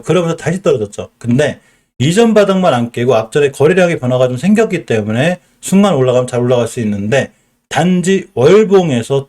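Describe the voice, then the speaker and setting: A middle-aged man streaming a stock lesson in a Chungcheong accent. His voice sits a little high and bounces up and down with lively swings. He explains steadily and keeps tossing himself questions to answer. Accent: Chungcheong Korean.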